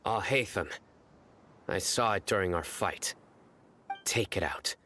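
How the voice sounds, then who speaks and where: A man's voice: low voice, slow pace, sharp tone, a little hiss or hum, exaggerated voice. An actor playing a stern, commanding lawman in an anime-style video game, with a grave, curt, threatening manner. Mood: menacing. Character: stern, menacing male lawman, terse and commanding.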